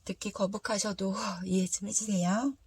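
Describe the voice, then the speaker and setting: A woman hosting a tarot reading, hoarse from a throat cold, speaking politely and conversationally as she explains to viewers. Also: medium pitch, flat delivery, normal speed, slight background noise. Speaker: tarot reader, channel host.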